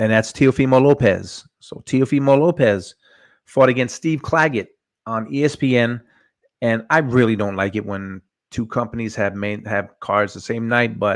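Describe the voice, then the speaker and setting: With a New Jersey accent, a man talks at a medium pitch with ordinary pitch variation and big swings in loudness, on a very clean recording with a silent background. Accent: New Jersey American. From New Jersey, US. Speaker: boxing livestream host. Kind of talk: casual commentary livestream. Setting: live stream. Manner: halting, repeats words.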